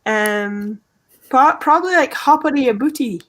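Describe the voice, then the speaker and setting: A woman's voice: high voice, lively intonation, moderate pace, a bit bright, a little hiss or hum. A woman comedian with a Shetland Scottish accent, chatting casually on a comedy panel. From Shetland, Scotland. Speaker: improv comedian.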